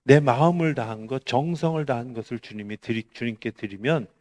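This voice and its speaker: A middle-aged male pastor giving a conversational Korean sermon. He asks the congregation rhetorical questions and swings between raised, emphatic lines and quiet, hushed ones. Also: medium pitch, a little fast.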